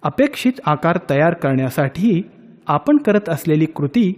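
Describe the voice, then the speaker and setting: Lively higher-pitched man narrating a tutorial. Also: measured pace. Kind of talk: scripted instructional voice-over. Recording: long reverberant hall echo.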